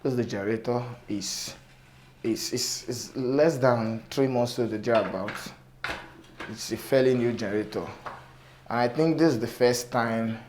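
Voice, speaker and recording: A man instructor with a cracked, sore-throated voice, giving an informal hands-on repair tutorial in a halting, repetitive way. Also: mid-range voice, a little mellow. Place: indoor workshop table. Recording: noticeable background noise, clicks.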